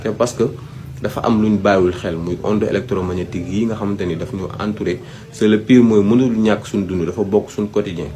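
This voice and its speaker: Low-voiced Senegalese man, emphatic advice talk. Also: fairly even intonation, a little fast, warm tone. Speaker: speaker giving health advice. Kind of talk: informal advisory talk, Wolof mixed with French.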